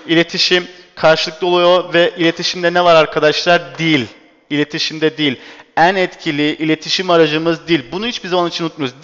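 A man's voice: fairly high pitch, a bit bright. Male teacher, exam-prep lecture, repetitive rhetorical questions, long reverb, muffled sound. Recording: dull echoey classroom recording.

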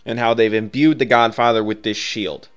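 A man's voice: mid-range voice, steady tone, normal speed, smooth, faint music behind. A man narrating a step-by-step video game guide in an informal, offhand, conversational way.

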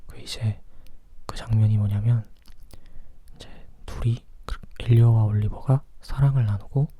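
A person whispering softly and closely in a chatty ASMR style, like a reviewer sharing thoughts. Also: medium pitch, fairly even intonation, unhurried, slight background noise. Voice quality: breathy, husky whisper. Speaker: film review vlogger.

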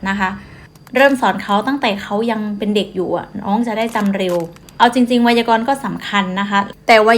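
A woman's voice: on the high side, a little hiss or hum. A woman chatting patiently and politely to her viewers from a car. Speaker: vlogger. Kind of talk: casual chat to camera.

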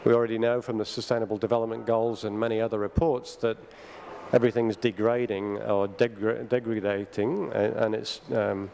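A man speaking on a conference panel in a measured, hesitant way with frequent ums, into a desk microphone. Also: on the low side, flat delivery, vocal fry, darkish tone, slight background noise. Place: large conference hall stage. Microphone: desk microphone on a stand.

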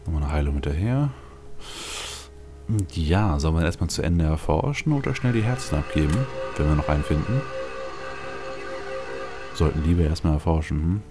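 A man's voice: a bass voice, big pitch swings, normal speed, pauses often, over music. A man giving casual gameplay commentary, musing aloud to himself as he plays. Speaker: let's play host.

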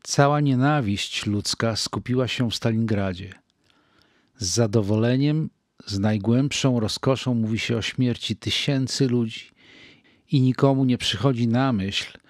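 An older man reads diary entries at an unhurried pace, grave and measured. His voice sits at a middle pitch. The recording is close and dry, with no room around it. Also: no echo. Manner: measured, grave, deliberate pauses. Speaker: reader of a wartime diary. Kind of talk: slow reflective diary reading.

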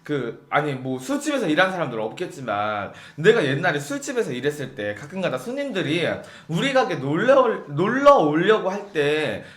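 A man's voice: fairly high pitch, sing-song, moderate pace, hardly any pauses, fairly bright tone, roomy sound. A young man telling a comic story about his past job, acting out both sides of phone calls and swearing freely.

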